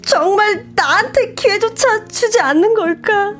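A woman's voice: high-pitched, lively intonation, unhurried, over music. An actress playing a determined young woman who wants to be a singer, earnest and pleading. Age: young adult.

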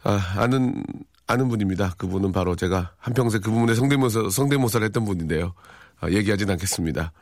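A man's voice: fairly low pitch, quick pace, no room sound. Dry-voiced man hosting live radio. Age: 40s. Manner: dry, teasing, deadpan humor. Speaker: radio host. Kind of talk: live radio chat reading listener messages. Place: radio studio. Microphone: studio microphone.

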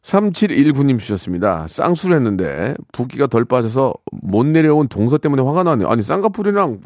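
A man's voice: medium pitch, very animated, fairly quick, a little mellow, dry recording, clean studio sound. A middle-aged man hosting a radio show, reading listener messages and joking about them with mock outrage in a casual chat.

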